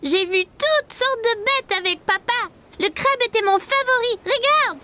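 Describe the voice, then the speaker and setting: A four-year-old cartoon boy with an extremely high, bright voice. He speaks slowly, with an eager, wide-eyed curiosity and a touch of timidity. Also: full character voice. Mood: happy, eager. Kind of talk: children's cartoon dub.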